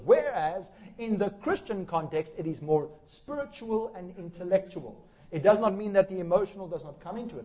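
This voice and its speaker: A man lecturing from the pulpit in an earnest, measured way, leaning on key words for emphasis. His voice sits a little higher than most men's. The recording is dull and lo-fi. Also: a little mellow. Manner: measured, emphatic, reads scripture aloud. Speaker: lecturer on worship music. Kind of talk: sermon lecture.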